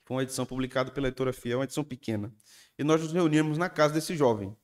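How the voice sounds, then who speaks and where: A male pastor delivers a sermon at a mid pitch. He tells his stories in a lively, animated way and acts out the people in them. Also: very fast. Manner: animated storytelling, acts out congregants.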